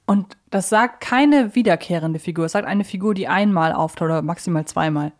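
A woman's voice: on the low side, brisk. A woman hosting a podcast in a casual, playful chat style. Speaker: podcast host. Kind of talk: casual chat, fan quiz.

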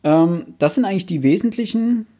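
A man's voice: sits high, lively intonation, brisk, mellow. A man co-hosting a podcast in a casual book discussion, colloquial and blunt, now and then mildly crude. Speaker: podcast co-host.

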